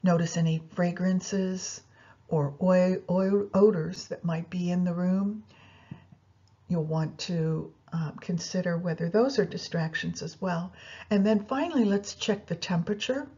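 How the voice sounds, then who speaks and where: A woman leading a guided yoga nidra meditation, giving unhurried instructions directly to the listener. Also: on the low side, mellow, husky, muffled recording.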